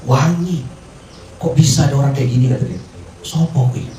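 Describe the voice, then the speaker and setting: A man's voice: mid-range voice, fairly quick, mellow, a little hiss or hum. A man preacher giving a conversational morning sermon, telling a story, acting out the quoted dialogue and mixing in Arabic and English phrases. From Indonesia. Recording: roomy, distant mic with faint ambience.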